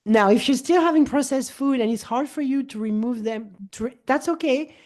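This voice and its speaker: Speaking at a moderate pace in a high voice, a native French-speaking woman in her forties chats casually as a wellness coach host. She's lively, tends to repeat words and restart, and often acts out what others said.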